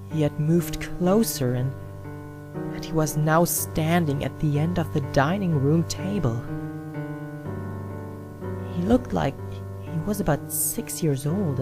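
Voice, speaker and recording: A woman narrating a first-person scary story in a dramatic, deliberate manner with suspenseful pauses. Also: low-pitched. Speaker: horror story reader. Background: background music.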